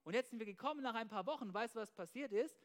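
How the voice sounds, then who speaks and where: Speaking quickly in a very high-pitched voice, this pastor delivers an energetic sermon. He tends to start lines with "hey," asks "ja?" to check in, and drops in English slang words.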